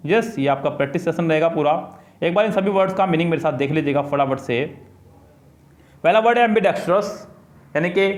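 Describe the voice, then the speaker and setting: A man teaching a vocabulary lesson in Hindi. He reads English passages slowly and says each word twice. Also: a little high. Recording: echoey room.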